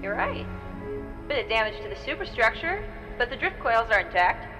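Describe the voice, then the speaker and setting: A woman playing a steady, caring space crew leader in a sci-fi audio drama. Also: fairly high pitch, moderate pace, long reverb tail, over music, low-quality recording. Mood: businesslike.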